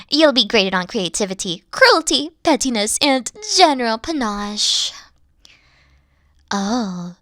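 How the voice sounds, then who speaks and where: A woman's voice: mid-range voice, a bit bright, no room sound, studio quality. A woman playing a dorky, theatrical evil queen who is secretly sweet, talking pompously and then slipping into casual speech in a comedic audio roleplay. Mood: imperious. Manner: grandiose, pompous villain talk slipping into casual dorkiness. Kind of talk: comedic character roleplay monologue.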